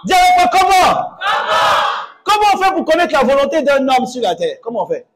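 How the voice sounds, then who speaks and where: A man preaching a sermon as pastor, exhorting the congregation with call-and-response and bursting into loud exclamations. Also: extremely high pitch, lively intonation, fairly quick, a faint crowd.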